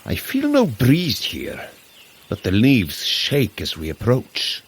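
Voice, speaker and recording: An actor playing a hearty, plain-spoken warrior god in an audio drama, with a deliberate, formal, bluntly skeptical manner. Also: male voice, mid-range voice, wildly swooping pitch, slight background noise, exaggerated voice. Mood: puzzled wonder. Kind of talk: scripted audio drama acting.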